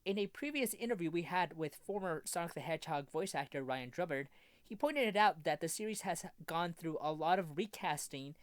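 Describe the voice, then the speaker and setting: An interviewer asks questions at a middle pitch, keeping the prompts brief and friendly. The sound is close and dry. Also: animated, fairly quick, dry recording.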